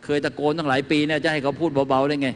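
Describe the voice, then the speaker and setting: A man's voice: a little high, little pitch movement, very fast, slight background noise. A man giving a folksy talk to a live audience as a lecturer on home remedies, telling anecdotes and tossing questions to the crowd. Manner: chatty, asks the audience questions, tells anecdotes. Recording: reverberant hall.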